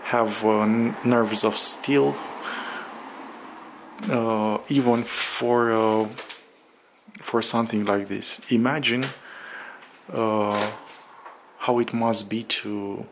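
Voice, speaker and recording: A man narrates a casual vlog in a low voice with a lot of fry. He speaks very slowly and hesitantly, pausing often. He is recorded indoors on a handheld camera, with some background noise. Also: fairly even intonation. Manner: halting, hesitant delivery with drawn-out pauses. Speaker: vlogger. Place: bare room under renovation, indoors, windows open.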